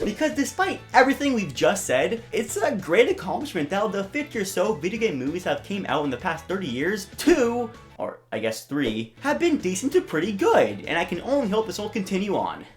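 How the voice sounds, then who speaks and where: A woman narrates a video essay with very lively, swooping intonation over background music. She sounds casual and playful, leaning on words for emphasis, and talks in an opinionated, conversational way. Her pitch sits in the middle range for a woman.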